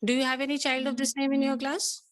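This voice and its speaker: A woman's voice: high voice, monotone, quick pace, a little hiss or hum. A woman with a South Asian accent teaching an online class, questioning pupils in a stern, insistent way. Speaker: schoolteacher.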